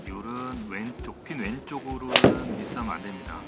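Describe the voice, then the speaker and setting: Male golf analyst for live commentary, medium register, concise shot assessments over loud music. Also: mid-range voice, normal speed. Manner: brief analytical remarks between shots.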